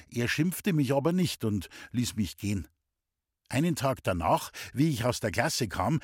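A man reading a humorous story aloud in the first person, with a lively, cheeky telling. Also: mid-range voice, husky, dry recording, clean studio sound. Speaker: audiobook reader.

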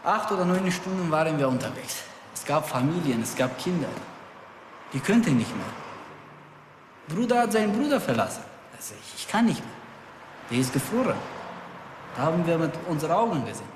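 A man's voice: fairly high pitch, big pitch swings, fairly quick, long pauses. Earnest young man in an echoey gym. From Afghanistan. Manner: simple, broken German, earnest. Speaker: interviewee, amateur boxer. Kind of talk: personal account. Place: boxing gym. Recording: echoey gym hall with background noise.

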